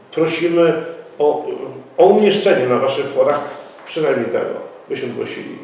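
A man's voice: medium pitch, a little mellow, slight background noise. Formal middle-aged man in an echoey office. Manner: formal, insistent, halting with fillers. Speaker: local party representative. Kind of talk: press conference. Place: office room, indoors. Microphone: far camera mic. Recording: echoey room, voice from far off.

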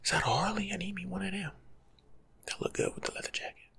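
A young American man giving soft-spoken ASMR advice in a slangy, teasing, lecturing way, often slipping into a breathy whisper. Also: sits high, fast talker. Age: young adult. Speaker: ASMR creator playing a life coach. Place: small home room, seated indoors.

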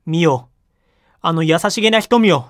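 Slow, anguished samurai lord played by a man. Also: a little high, animated. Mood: mournful. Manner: theatrical, archaic warrior speech. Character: anguished samurai lord watching his castle fall. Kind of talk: period voice drama acting.

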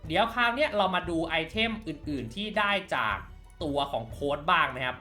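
A man giving casual commentary while redeeming codes in a mobile game, chatting along and thinking aloud with quick excited exclamations. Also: on the high side, faint music behind. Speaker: mobile game channel host.

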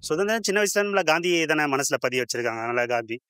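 A man's voice: on the high side, lively intonation, quick pace, sharp tone, soft background music. A middle-aged man on his way home from work, answering a street interviewer in short, listed points. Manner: listing points in short phrases. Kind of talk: street vox pop answers. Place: covered footbridge outdoors. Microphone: handheld interviewer mic.

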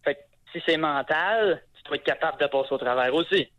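A man's voice: fairly high pitch, fairly quick, a bit bright. A man in his twenties with a Quebec French accent, calling in to a talk show and telling his story hesitantly, with many fillers and restarts. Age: 20s. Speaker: caller. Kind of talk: phone-in call on a talk show. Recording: muffled phone-in line.

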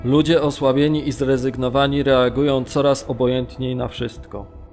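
Grave witness-narrator for radio drama male actor, mid-pitched, measured, restrained. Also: level tone, darkish tone, soft background music, close to an everyday voice. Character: male Polish camp prisoner recalling brutality, grave, restrained. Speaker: narrator reading witness testimony.

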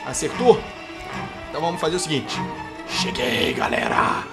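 Excitable Brazilian man narrating gameplay. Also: medium pitch, normal speed, gravelly, loud music behind the voice. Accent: Brazilian Portuguese. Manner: playful trash talk, bursts into excited shouts. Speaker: gameplay youtuber. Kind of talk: gameplay commentary.

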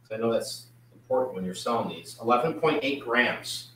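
A man co-hosting a live auction, describing items in a relaxed, halting way. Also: mid-range voice, slight background noise. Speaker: auction co-host. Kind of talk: casual item description. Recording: echoey room, off mic.

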